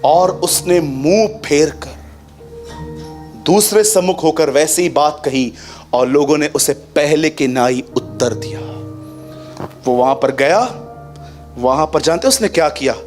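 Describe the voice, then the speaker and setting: High-voiced man preaching with rhetorical questions. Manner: preaching with rhetorical questions, swinging between raised and low voice; mixes English phrases into his preaching. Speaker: pastor. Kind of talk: sermon.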